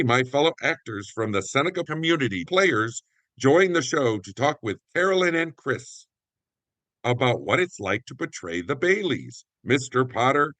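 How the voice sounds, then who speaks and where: A man's voice: mid-range voice, sharp tone, no echo. A man presenting a show in a scripted, announcer-like introduction. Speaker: presenter and guest actor.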